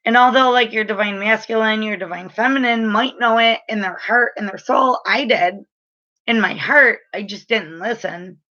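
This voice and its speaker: Addressing the camera, a woman in her late 30s who works as a spiritual reader and energy healer offers blunt, conversational advice full of filler words. Her voice is fairly high, bright and forceful at normal speed, though the audio sounds dull.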